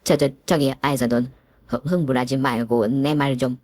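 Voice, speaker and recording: Woman reading a sneering mother-in-law for a narrated story; very low voice, dry close mic. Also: steady tone, normal speed, a little mellow, dry recording. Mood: defensive. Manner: scornful, bullying, stammers when cornered. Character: spiteful scheming middle-aged mother-in-law.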